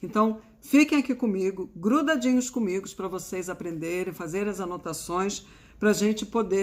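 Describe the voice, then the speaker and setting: In a very clean recording with a silent background, a woman speaks in an ordinary speaking voice at medium pitch with ordinary pitch variation. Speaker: ADHD mentor and live streamer. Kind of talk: live stream talk to viewers. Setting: live stream.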